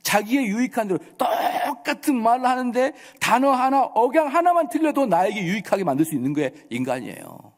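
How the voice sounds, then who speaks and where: A man's voice: extremely high pitch, big pitch swings, fairly quick, few pauses. A male pastor preaching a sermon, acting out quoted voices and scolding with rhetorical questions. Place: church sanctuary. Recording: echoey church hall.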